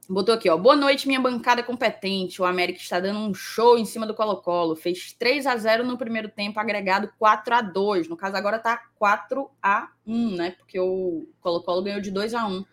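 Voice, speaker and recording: A woman with a brisk, slightly bright mid-range voice co-hosts a live sports stream as a podcast co-host. She is chatty and playful, reading viewer comments aloud in casual live-stream banter.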